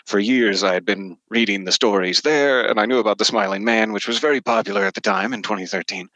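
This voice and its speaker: A man's voice: on the low side, fast talker, fairly bright tone, no room sound, poor audio. A middle-aged man telling anecdotes as an interview guest in a casual, wryly self-deprecating way. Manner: self-deprecating, wry humour. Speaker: interview guest, podcast narrator.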